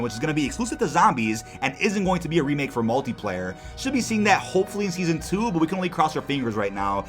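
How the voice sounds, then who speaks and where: A man's voice: a little high, a bit bright. A man hosting gaming news commentary, speaking emphatically and directly to his viewers. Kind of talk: scripted-sounding gaming news commentary to camera audience.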